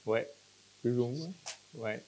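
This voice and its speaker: A man leading a hypnosis session, giving short, repetitive, coaxing instructions with pauses between phrases. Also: medium pitch, warm tone, a little hiss or hum, low-quality recording. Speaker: hypnosis practitioner leading a demonstration.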